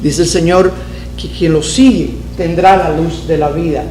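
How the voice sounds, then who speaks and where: A man's voice: a little high, fairly even intonation, measured pace, dark tone, reverberant, a little hiss or hum, rough recording. A man from Cuba, teaching a Bible study to a congregation, repeating key phrases and asking them questions. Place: church sanctuary.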